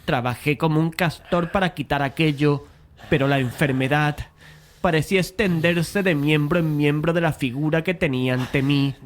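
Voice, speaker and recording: A man playing a polite, easily frustrated painter who narrates a dramatized horror audiobook in a measured, literary way. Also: fairly high pitch, close to an everyday voice. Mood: measured, uneasy.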